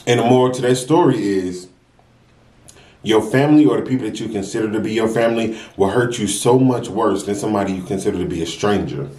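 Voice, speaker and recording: A young American man chatting casually and earnestly to viewers while eating, unhurried between bites. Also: fairly low pitch, a little mellow. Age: young adult. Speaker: mukbang vlogger. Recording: roomy, echoey sound.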